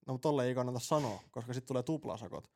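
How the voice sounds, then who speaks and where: A man with a medium-pitched, slightly mellow voice co-hosts a casual podcast full of crude banter. He tells rambling, profanity-laden stories and laughs at his own jokes.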